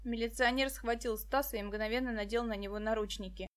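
A woman narrating an audiobook in a lively storytelling manner. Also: fairly high pitch, a little fast. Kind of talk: scripted narration.

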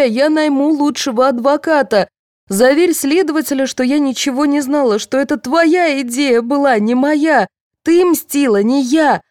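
A woman voicing a desperate young woman on trial, pleading and sobbing in a shrill, frantic voice. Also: a little mellow, no room sound, studio quality, close to an everyday voice. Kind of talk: audiobook character voice.

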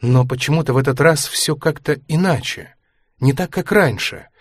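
A man reading a book aloud, voicing an aging former ballerina who is anxious, proud and sharp-tongued, in a higher, tense voice. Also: normal speed, no echo, studio quality, natural voice. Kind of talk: audiobook character reading.

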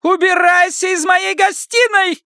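A man voicing a furious, sarcastic middle-aged mother who screeches and yells. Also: very high-pitched, steady tone, measured pace, no echo, studio quality, pitched above the performer's own voice, heavily acted. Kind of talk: audiobook character reading.

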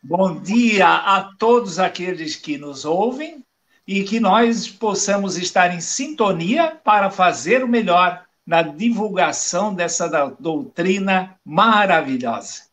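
High-pitched slow-speaking man. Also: lively intonation, a bit bright. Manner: slow, earnest greeting. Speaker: guest co-host.

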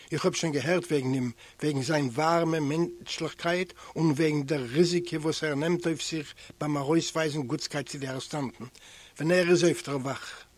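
Man giving an earnest audiobook reading. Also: a little high. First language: Yiddish. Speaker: audiobook reader. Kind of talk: first-person literary narration.

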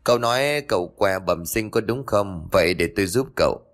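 A man doing a gruff, cunning old scold. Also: fairly low pitch, lively intonation, brisk, a bit bright. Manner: scolding, blunt.

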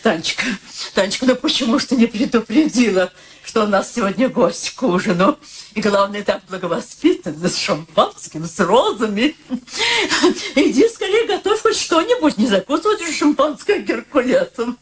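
A woman's voice: fairly high pitch, big pitch swings, normal speed. An old, ailing mother in a radio drama, speaks in a plaintive, theatrical way. She gushes and frets with sociable eagerness. A faint noise sits behind the voice. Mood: delighted, gracious. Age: older. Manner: plaintive, effusive, repeats exclamations. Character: frail, dying elderly mother, fretful, sociable, theatrical. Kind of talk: radio play acting.

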